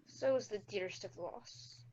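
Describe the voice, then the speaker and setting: A woman's voice: medium pitch, measured pace, a little mellow, dull audio, slight background noise, natural voice. A woman playing a weary, grieving king in a Shakespeare radio play, plaintive and curt. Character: grieving, weary king mourning his son.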